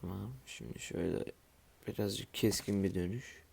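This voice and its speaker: Man, gravelly just-woken-up voice, mellow and dark tone, casual gaming commentary, muttering to himself at home. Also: deep voice, steady tone, moderate pace. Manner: mutters to himself while building, chatty asides to viewers. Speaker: gamer streaming his play. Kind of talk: casual let's-play commentary.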